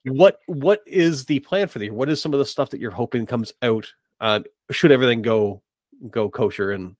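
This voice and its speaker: A man hosting a podcast in casual interview chat, halting and repeating words as he puts his questions together. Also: mid-range voice, a little mellow, dry recording, clean studio sound.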